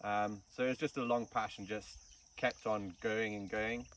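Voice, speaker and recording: A man's voice: lowish voice, steady tone, normal speed, a bit bright. A man from Kenya, a snake farm curator, telling his story in a casual interview with frequent ums. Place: outdoors in the bush. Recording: distant mic with faint insect noise.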